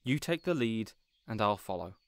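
A man's voice: lowish voice, expressive, moderate pace, slight background noise, close to an everyday voice. A man playing a considerate, awkward supervillain boss in an audio roleplay, conversational and a bit hesitant. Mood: planning. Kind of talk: audio roleplay drama acting.

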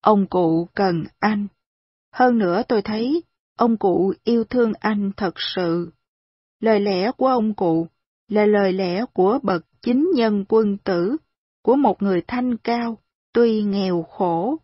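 A woman reading aloud voices a kind, gentle wealthy lady who speaks soothingly and reasons patiently, in a slightly husky voice on a dull recording. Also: mid-range voice, a little slow, no room sound. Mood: gently persuasive.

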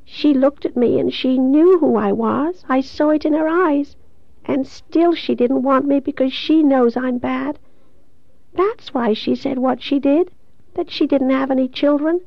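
A woman's voice: high voice, a little slow, gravelly, dry recording, muffled recording, voice pushed up. A woman voicing a dying young woman in an audiobook, childlike, plaintive and despairing, in a thin, faint voice. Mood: anguished, hurt.

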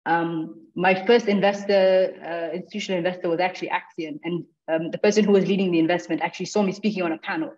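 A woman's voice: fairly low pitch, fairly even intonation, quick pace, few pauses, darkish tone. A young adult woman founder reflecting on her fundraising, speaking on a video call from a home office with frequent fillers. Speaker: startup founder. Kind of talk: panel discussion on a video call. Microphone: video call with earbuds. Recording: dull lo-fi video call audio.

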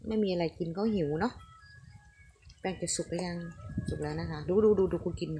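A woman's voice: fairly low pitch, a little fast, warm tone. An older woman, chatting to viewers while she demonstrates a home recipe and coaxes a grandchild to eat. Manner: chatty, addresses viewers, coaxes a child between steps. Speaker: home cooking vlogger. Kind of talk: casual cooking demonstration. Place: home kitchen. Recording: noisy frying sizzle behind. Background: oil sizzling in a pan.

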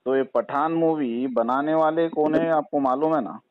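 Man, slightly high voice, Hyderabadi accent, insistent caller, persuasive, repetitive, argumentative phone talk, muffled lo-fi line. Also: normal speed. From Hyderabad, India. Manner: insistent, persuasive, repeats his points. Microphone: phone call. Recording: dull, lo-fi recorded phone call.

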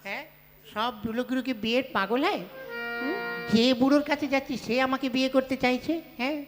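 A woman's voice: sits high, fast talker, long reverb tail, natural voice. A woman voicing a cheeky young village woman who teases and curses, in a puppet show comedy with folk music behind. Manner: teasing, cursing under her breath.

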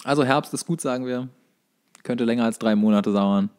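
A man's voice: medium pitch, moderate pace, a little mellow. A man co-hosting a podcast in casual chat, telling stories in an informal, loosely rambling way. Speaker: podcast co-host.

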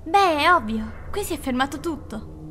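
A woman as a high-voiced, sad ghostly girl. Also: lively intonation, normal speed, sharp tone, slight background noise. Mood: eerie, sad. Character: sad, eerie ghostly teenage girl performer. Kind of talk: horror story voice acting.

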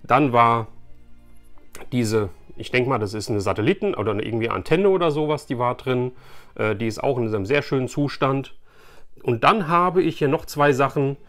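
A man's voice: mid-range voice, normal speed, fairly bright tone, soft background music. A man chats casually and colloquially to camera as an enthusiastic host. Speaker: YouTube host, toy collector. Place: small furnished room lined with shelves of collectibles.

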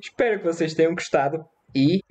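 A man with a European Portuguese accent giving casual, excitable let's-play commentary, repeating his phrases and breaking into quick panicky outbursts. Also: a little high. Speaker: gaming YouTuber.

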